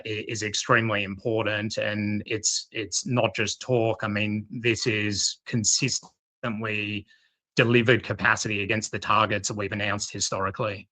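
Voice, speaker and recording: A male executive gives earnings call remarks in a very bright, sharp voice that sits a little low. His delivery is measured and halting, with carefully chosen phrasing and very little rise or fall. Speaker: company executive.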